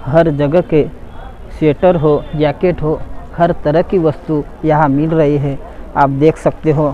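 A man's voice: on the high side, little pitch movement, unhurried, phone-quality sound. A man vlogging as he walks through an expo hall, telling viewers "guys" what they can see. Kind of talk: walk-through vlog narration. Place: indoor expo hall, tents.

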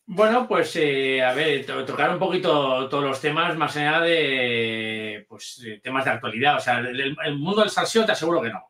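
A man, a guest in a casual interview chat, hesitant and halting. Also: mid-range voice, lively intonation, sharp tone, reverberant. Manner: hesitant, full of restarts and fillers. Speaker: guest, channel manager.

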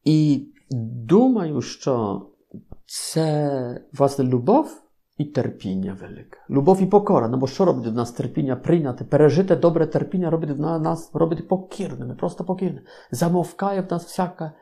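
This is a male Capuchin preacher with a Polish accent, talking through an informal sermon. His voice sits a little high but sounds dark and gravelly, and he delivers it slowly, with teasing, ironic asides to his listeners. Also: animated.

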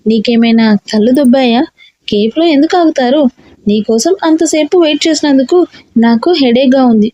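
A woman's voice: sits high, moderate pace, dark tone, no echo, muffled recording. A woman reading a story aloud and voicing a bossy, irritable young man who scolds the heroine. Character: gruff bossy young man, a rowdy hero.

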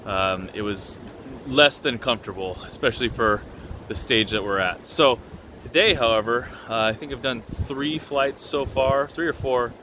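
A man in his thirties giving a relaxed, chatty vlog update outdoors on a beach, filmed up close. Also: medium pitch, moderate pace, slight background noise. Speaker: vlogger. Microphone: camera held close, selfie framing.

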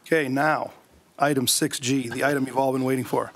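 Brisk man chairing a council meeting. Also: medium pitch, steady tone, fairly bright tone, slight background noise. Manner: brisk procedural, reading agenda items. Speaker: mayor chairing city council. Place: council chamber.

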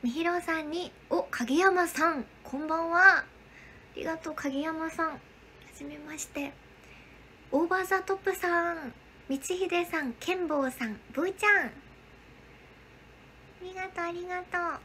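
A woman's voice: very high voice, normal speed, pauses often, pushed and bright, slight background noise. A young woman hosting a casual livestream, greeting viewers by name and answering their chat comments. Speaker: livestream host.

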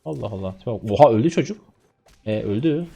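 A man in his twenties from Turkey, a streamer chatting excitedly to viewers while commentating his own gameplay. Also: mid-range voice, fast talker, creaky, husky, faint music behind. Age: 20s.

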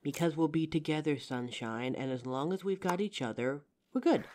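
A woman playing a caring, protective bodyguard in an intimate roleplay audio drama, with a gentle, teasing manner. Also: deep voice, expressive, moderate pace, slight background noise. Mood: playful, tender. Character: caring, flirtatious female bodyguard, protective and loyal.

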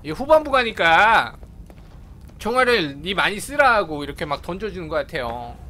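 In his Let's Play commentary on a horror game, a high-pitched streamer talks at normal speed, says hello to viewers and chats with them. Sudden attacks make him yelp and shout excitedly.

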